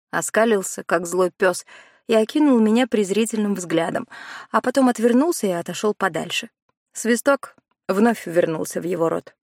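A woman's voice: medium pitch, creaky, no echo. Woman reading a novel aloud, dry sound. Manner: first-person storytelling. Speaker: narrator. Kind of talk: audiobook narration.

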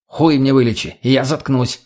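A man's voice: mid-range voice, fairly even intonation, normal speed, a little mellow, natural voice. A man voicing a crude, cheeky male junkie who provokes and teases his friends. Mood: mocking.

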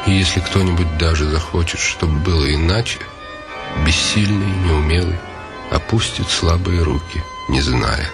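A man acting in a radio drama as a sombre poet, reciting bleak verse in a measured way. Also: low voice. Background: loud music.

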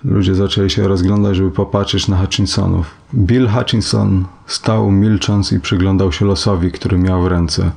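A man narrating a short story as an audiobook, in a measured, even reading. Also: deep voice, creaky, slightly rough.

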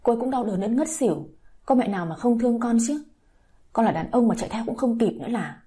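A woman's voice: medium pitch, moderate pace, mellow, lightly acted. A woman voicing a worried young husband. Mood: urgent.

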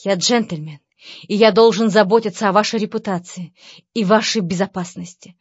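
A woman voicing a nervous, lisping gentleman suitor who speaks in melodramatic, despairing exclamations for an audiobook. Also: mid-range voice, normal speed, husky, no room sound, natural voice. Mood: frantic. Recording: slightly dull dry recording.

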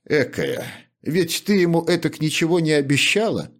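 A man voicing a stern, bossy older butler in an audiobook, speaking in a gruff, commanding way. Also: a little high, wildly swooping pitch, normal speed, voice pushed up. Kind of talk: audiobook character reading.

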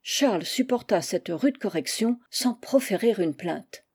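A woman reading a classic novel aloud as an audiobook, voicing every character herself and naming each speaker in a softer voice. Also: animated, unhurried, husky. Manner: reads all characters, announcing each speaker name in a lower, softer voice. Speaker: audiobook reader.

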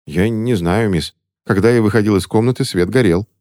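A nervous, polite orphan boy who answers meekly and a bit slowly, as a male narrator voices him. It stays near the reader's own deep voice. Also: a little mellow, dry recording, clean studio sound, close to an everyday voice.

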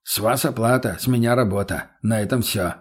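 A man's voice: fairly low pitch, a little fast, breathy edge. A man voicing a cool, sardonic male gypsy mercenary who speaks dry and blunt.

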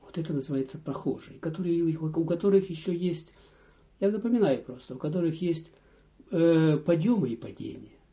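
A man's voice: on the high side, lively intonation, moderate pace, warm tone. A man, a rabbi, giving a spoken lesson, reading short lines aloud and then explaining them step by step. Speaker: rabbi teaching a text. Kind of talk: slow spoken Torah lesson. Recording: dull lo-fi audio lesson recording.

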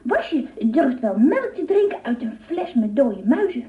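A woman playing a chatty, boastful young child telling tales in a radio drama, with a lively childlike manner. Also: high-pitched, measured pace, far from the mic. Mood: gossipy, proud. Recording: tinny, echoey radio play recording, off-mic.

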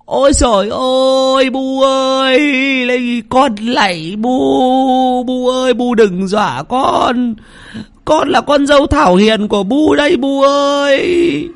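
A man voicing a frightened middle-aged village wife who wails and pleads in a high falsetto. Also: lively intonation, normal speed, faint music behind. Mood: terrified pleading.

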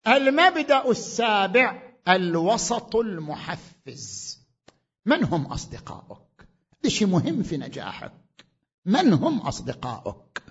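A male preacher giving a sermon, speaking emphatically, rising to loud proclamations and asking his listeners questions. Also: high-pitched, sing-song, a little slow, creaky, breathy edge, highs cut off. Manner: asks the audience questions. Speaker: Shia preacher.

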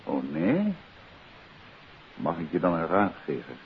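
Wry, low-voiced gentleman detective, hissy old radio. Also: wildly swooping pitch, unhurried, full character voice. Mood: wry, unruffled. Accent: Dutch. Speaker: radio drama actor. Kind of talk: 1950s radio play acting. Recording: dull, hissy 1950s radio recording.

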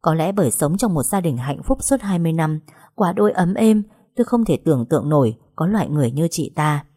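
Low-voiced woman narrating a story. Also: expressive, warm tone, slightly rough. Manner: measured, dramatic reading. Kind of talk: first-person audio story narration.

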